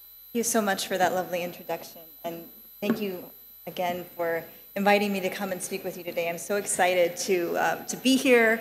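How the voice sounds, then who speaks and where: Audible room echo surrounds a woman speaking at a fairly quick pace. Her pitch is medium and her intonation fairly even. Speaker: neurologist. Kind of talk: conference lecture. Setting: conference stage with audience. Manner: soft-spoken.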